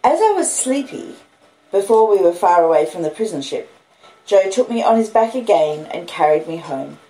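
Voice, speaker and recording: An Australian woman streams as a storyteller, reading a classic novel aloud in an expressive, audiobook-like style and chatting casually with listeners. Her lowish, dark-toned voice is very animated at a moderate pace, with roomy echo and obvious hiss or background noise.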